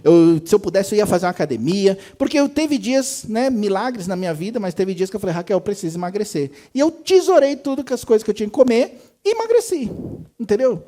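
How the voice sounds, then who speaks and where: A man preaches at a church service in a relaxed, chatty way. His pitch rises and falls widely as he acts out the people he quotes. His voice has a mellow, warm timbre. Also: fast talker. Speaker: pastor. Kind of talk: sermon.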